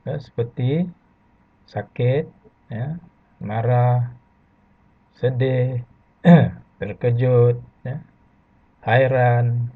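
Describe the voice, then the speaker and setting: A Malaysian man teaching an online lesson to primary pupils, patient and slow, adding "ya" after nearly every phrase. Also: mid-range voice. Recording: phone-like lo-fi audio.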